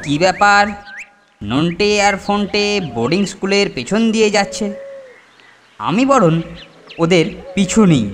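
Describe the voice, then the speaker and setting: An actor playing a sly, greedy teenage school senior in a children's cartoon, with a scheming, self-important manner. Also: male voice, sits high, expressive, moderate pace, long pauses, a bit bright, slight background noise. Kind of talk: exaggerated children's cartoon acting. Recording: music bed behind the voice.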